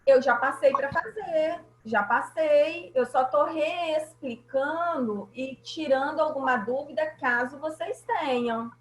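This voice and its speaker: Woman teacher, Brazilian Portuguese accent, high voice, patient and affectionate, echoey room with faint noise. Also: slow, hardly any pauses. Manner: patient, affectionate with students, checks understanding often. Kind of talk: online class explanation.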